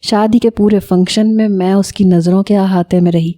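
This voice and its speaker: Woman, storyteller, first-person romance narration, calm measured reading, very dark mellow tone. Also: medium pitch.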